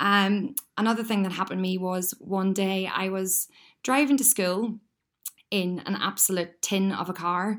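At a moderate pace, a woman with a Northern Irish accent talks in a medium pitch with fairly even intonation. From Northern Ireland. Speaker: podcaster and expat teacher. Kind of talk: casual storytelling monologue. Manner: nervous, chatty.

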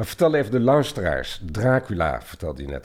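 Recorded very cleanly against a silent background, a man speaks at a moderate pace with vocal fry and very wide pitch swings. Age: 50s. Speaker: podcast host. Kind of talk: interview.

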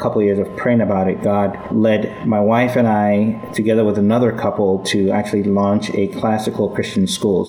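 Fairly low in pitch, a man talks at a moderate pace with hardly any pauses and very even loudness. His flat, monotone delivery sits over noticeable background noise. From Ghana, raised in several countries. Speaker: business executive. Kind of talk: faith testimony interview.

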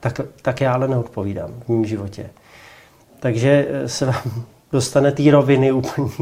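Here a man has a normal speaking voice and a medium pitch. He speaks at a moderate pace with fairly even intonation. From Czech Republic, Průhonice near Prague. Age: 30s. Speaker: traveler and filmmaker. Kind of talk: interview. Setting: cabin by a pond.

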